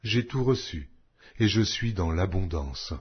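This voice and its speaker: A man reading scripture as an audiobook narrator in a solemn, measured, declamatory style. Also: deep voice, animated, slightly rough. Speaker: Bible narrator. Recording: dull, muffled lo-fi audio.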